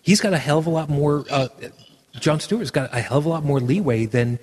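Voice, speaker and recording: A man hosting a casual podcast chat, lively, often acting out quoted lines in other voices. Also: on the high side, fairly quick, in a large hall, slight background noise. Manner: animated, acts out quoted lines in shifted voices. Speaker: podcast host.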